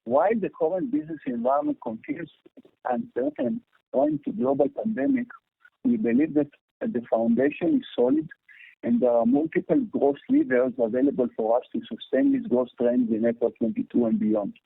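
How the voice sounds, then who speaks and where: Indian exec guy reading earnings script on a thin phone line, really high raspy voice, trips on words. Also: animated, brisk, no room sound. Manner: formal, stumbles over words while reading. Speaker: company executive. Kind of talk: scripted earnings call presentation.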